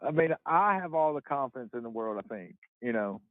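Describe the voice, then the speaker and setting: A man's voice: mid-range voice, expressive, brisk, no echo. A man chatting playfully with his wife on a prison phone call, teasing and swearing casually, heard over a phone line. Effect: tinny phone line. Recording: tinny dry phone-line audio.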